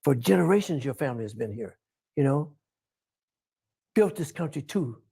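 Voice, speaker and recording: A man's voice: mid-range voice, animated, normal speed, vocal fry, dark tone, husky. A man speaking emphatically and insistently in an interview clip.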